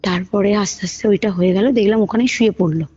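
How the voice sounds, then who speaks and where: Female caller, husky voice, casual animated storytelling, dull phone audio with music under it. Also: medium pitch, fast. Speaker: caller telling a personal ghost experience. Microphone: phone call. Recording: muffled phone call recording, music underneath. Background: background music.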